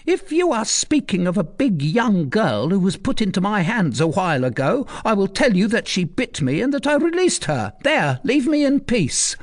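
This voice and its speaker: A man's voice: high voice, very animated, moderate pace, hardly any pauses, pitched above the performer's own voice. A man voicing a surly, frightened old woman recluse who stammers and pleads. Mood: surly defiant.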